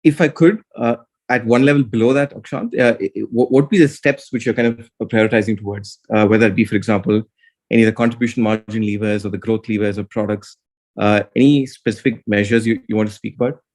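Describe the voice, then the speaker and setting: A man's voice: on the low side, steady tone, quick pace, a little mellow. A man speaking as a financial analyst, putting polite, probing questions on an earnings call.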